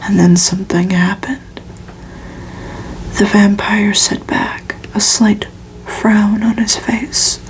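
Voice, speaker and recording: A woman reads gothic fiction as ASMR in a breathy, fully unvoiced whisper. Her delivery is very slow and deliberate, with pauses between phrases. The tone stays flat and hushed throughout, with little movement in pitch. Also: low-quality recording. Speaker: ASMR reader. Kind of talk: ASMR audiobook reading of a gothic novel.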